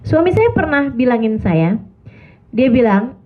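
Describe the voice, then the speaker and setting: A middle-aged woman preacher giving casual religious advice to wives, telling stories lively and acting out the quotes. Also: on the high side, measured pace. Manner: lively storytelling, acts out quotes. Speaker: Islamic preacher. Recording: tinny phone-like sound.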